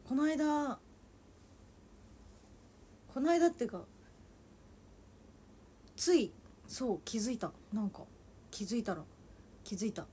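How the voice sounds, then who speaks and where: A woman's voice: a little high, sing-song, takes it slowly, pauses often, mellow, slightly rough. A young woman from Toyama with a Toyama accent, chatting casually with viewers on a livestream and giggling often. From Toyama, Japan. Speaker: idol livestreamer. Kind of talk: casual livestream chat reading comments.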